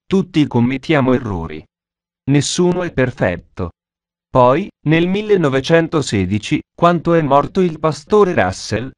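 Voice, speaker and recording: A man voicing a pushy door-to-door preacher in a dubbed parody, talking in an insistent, earnest sales pitch. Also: no room sound, natural voice. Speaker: doorstep preacher.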